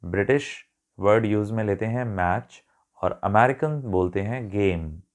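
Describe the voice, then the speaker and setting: A man gives an English vocabulary lesson in a slow, unhurried way, spelling words out letter by letter. His voice sits fairly low, and he mixes English terms into his explanations as he goes, sometimes correcting himself mid-sentence. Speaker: English teacher.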